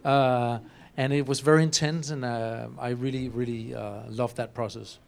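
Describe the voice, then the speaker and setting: A man's voice: medium pitch, steady tone, moderate pace, vocal fry. A man, a film director, explaining his work earnestly in slightly phrasing with light laughs. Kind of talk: panel interview.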